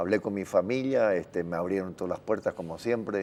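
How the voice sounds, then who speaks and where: A man's dark, mellow tone at a fairly quick pace, with lively intonation. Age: 60s. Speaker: political candidate. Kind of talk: TV interview.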